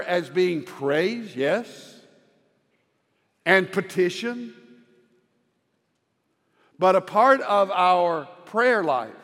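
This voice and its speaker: An older man, a pastor of many decades, giving a slow, earnest devotional sermon with emphatic repeated words. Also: sits high, a bit bright, big-room sound.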